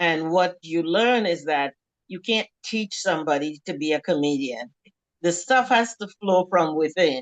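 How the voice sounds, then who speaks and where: Fairly slow, lively intonation in a dry, close sound with no echo. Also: woman, fairly low pitch for a woman. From Trinidad. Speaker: comedian and author. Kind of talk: interview storytelling. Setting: podcast interview.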